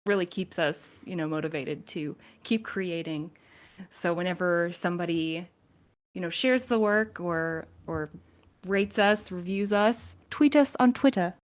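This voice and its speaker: A woman speaking casually as a crew member in a podcast question-and-answer chat. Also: on the low side.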